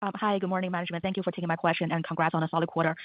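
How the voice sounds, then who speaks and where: A woman's voice: lowish voice, flat delivery, very fast, dry recording. A woman asking a polite, formal analyst question on an earnings call. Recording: dull dry phone conference audio.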